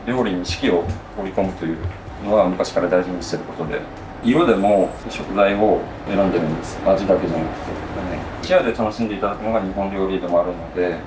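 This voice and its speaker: A man's voice: low-pitched, quick pace. A man, a sushi chef, politely explaining his kitchen work in a matter-of-fact way while he works. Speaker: sushi restaurant owner-chef. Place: restaurant kitchen during prep. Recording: roomy kitchen, distant mic, clear working noise.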